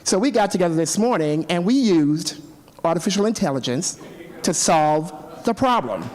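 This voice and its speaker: A man's voice: sits high, lively intonation, moderate pace, darkish tone. A man moderating a live conference panel, explaining the setup in an upbeat way and keeping things moving. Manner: upbeat, explanatory, short encouraging remarks.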